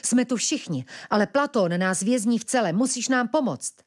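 A woman voicing a young male ferret, speaking in a raised, excited and pleading voice. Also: on the high side, pitched above the performer's own voice.

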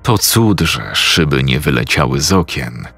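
Deep-voiced guy reading a horror story slow and tense, dry close mic. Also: sing-song, gravelly, fairly bright tone, slightly rough, no echo, soft background music. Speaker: narrator. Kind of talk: scripted horror story narration.

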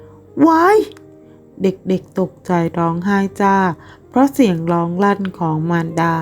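A woman narrating a romance audio novel in a steady, unhurried storytelling voice. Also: mid-range voice, soft background music.

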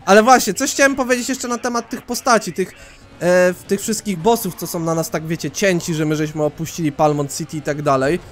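A man from Poland hosting a let's play, rambling excitably and swearing casually as he plays. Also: high voice, fairly quick.

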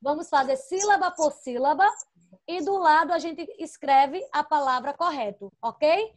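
High-voiced woman teaching children. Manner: patient and coaxing, checking in with "certo?"; fond of diminutives, spells out syllables slowly. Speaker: first-grade teacher. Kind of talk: online class for young children. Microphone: computer microphone, with headphones.

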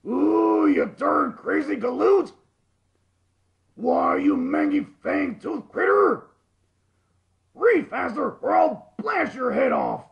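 A man voicing a short-tempered little cartoon cowboy outlaw with a gravelly voice, an American Western accent and a bellowing, blustering manner. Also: very high-pitched, sing-song, slow pace, pauses often, muffled recording, full character voice. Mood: furious.

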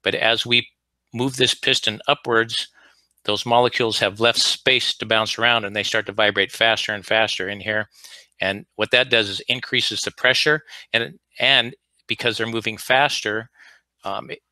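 A man's voice: lowish voice, steady tone, normal speed, bright, forceful tone, no echo. A man teaching a live online class over slides, explaining at an easy pace with frequent fillers and restarts. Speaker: HVAC instructor.

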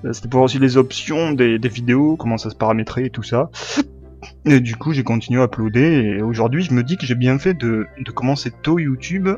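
A man's voice: medium pitch, fairly quick, a little mellow. A man hosting a gaming video channel, chatting casually and rambling with frequent filler words and self-corrections. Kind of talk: casual chat to camera. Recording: dull lo-fi with faint music.

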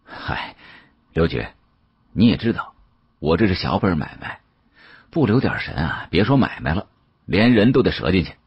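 A man voicing a sharp, cautious young antique dealer in an audiobook, deferential and quick-witted as he explains. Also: low-pitched, very animated, breathy edge, dry recording, lo-fi sound, heavily acted. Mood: wary, deferential.

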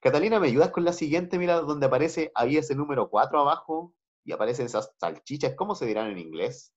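A man's voice: fairly high pitch, animated, fast talker. A man teaching English on a video call, patient, switching between Spanish and English and repeating phrases. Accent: Chilean Spanish. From Chile. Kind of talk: online class teaching. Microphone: computer mic on a video call. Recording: dull lo-fi video call audio.

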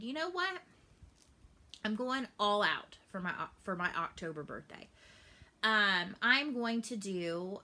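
A woman's voice: medium pitch, bright, forceful tone. A woman in her late thirties chatting casually to camera about her stitching hobby, rambling and gesturing as she talks, seated in a small room at home. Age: 30s. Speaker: cross-stitch vlogger. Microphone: camera in front, upper-body framing.

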